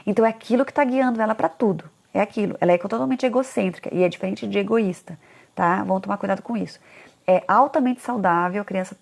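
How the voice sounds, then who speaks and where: Brisk, lively woman coaching parents, slight vocal fry. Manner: animated, acts out parents' complaints in a high voice. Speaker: parenting educator. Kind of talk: casual talk to parents.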